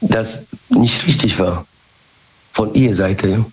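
Hoarse male caller, slightly low voice, muffled phone line. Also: a little mellow. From Germany. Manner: halting, ungrammatical German, repeats "ja".

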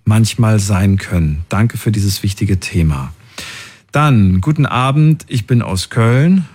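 A man hosts a late-night call-in radio show from the studio, reading out listener poll results and messages. His voice is fairly low and a little mellow with a breathy edge, and he takes it slowly.

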